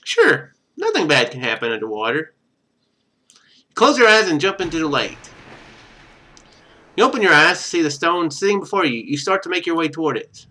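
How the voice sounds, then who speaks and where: Streaming a game live, a man with a bright, fairly high voice reads the on-screen narration with very animated pitch. He then shifts into casual commentary with wry, sarcastic asides, speaking at normal speed and pausing often.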